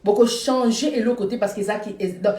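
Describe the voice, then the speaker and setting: A woman's voice: mid-range voice, steady tone, fairly quick, mellow, roomy sound, recorded from a distance. A woman live-streaming to her followers in Paris, talking casually and emphatically, repeating her points for force. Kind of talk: casual live chat, mixing French and Lingala.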